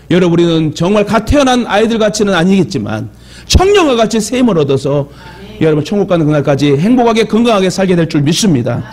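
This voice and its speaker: A pastor from Korea's Jeolla region preaches a sermon in a church sanctuary, his Jeolla accent clear. His voice is high-pitched, he tosses in joking asides and calls for amens, and there's slight background noise.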